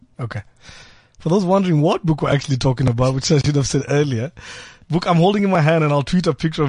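Speaking with some breathiness, a man uses a fairly high pitch and typical pitch movement. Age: young. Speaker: radio host. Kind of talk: radio interview. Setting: studio.

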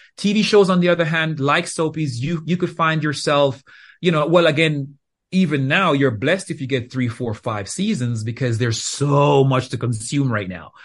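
Over a quiet background, a man speaks with a fairly high, somewhat breathy voice. His intonation is lively and his pace moderate. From Jamaica. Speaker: actor and voiceover artist. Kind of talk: interview. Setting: remote call.

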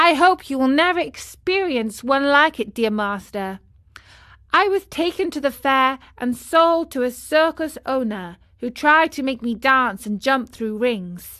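Against a quiet background, a woman uses a raised, projected voice with a high pitch, a bright, sharp and animated tone, lively intonation and a fairly slow pace. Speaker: audiobook narrator. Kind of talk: dramatic narration of a children's story, with character voices. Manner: animated, suspenseful storytelling; changes voice for each character, gasping and laughing.

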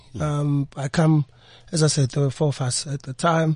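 Speaking at a moderate pace with a South African accent, the voice is somewhat breathy. Its intonation stays fairly even. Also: man. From South Africa, Soweto. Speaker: lawyer and political commentator. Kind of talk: casual interview. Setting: studio.

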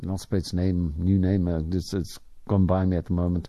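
In an Irish accent, a man talks with a very deep, low pitch. His tone is dark and mellow, and the background is quiet. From Ireland. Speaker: radio host. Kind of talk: radio talk show commentary. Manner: hesitant, many fillers.

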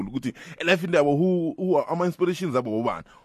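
Against a quiet background, a man with a fairly high voice and some vocal fry speaks at a fairly quick clip in an animated tone with lively intonation. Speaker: radio host. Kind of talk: casual chat. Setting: studio.

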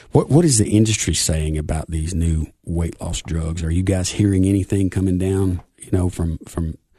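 This man's voice is very deep and low, with a dark, mellow tone, a somewhat breathy quality, and fairly even intonation. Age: 50s. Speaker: radio host. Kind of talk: radio interview. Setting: studio. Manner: halting, filler-heavy.

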